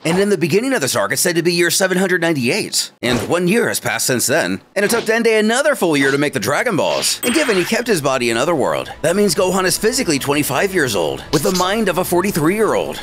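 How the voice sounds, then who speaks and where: A man's voice: a little high, noisy background. A man narrating a story retelling in a playful way with wry asides. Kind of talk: comic story recap narration. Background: faint background music.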